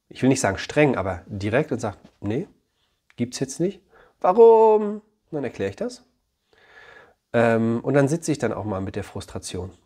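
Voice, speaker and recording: A man in his thirties, a psychologist, giving direct advice on parenting and then gently questioning his young son. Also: mid-range voice. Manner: direct and explanatory, often checks in with "ja?". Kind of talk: advice talk to camera, then chat with his child.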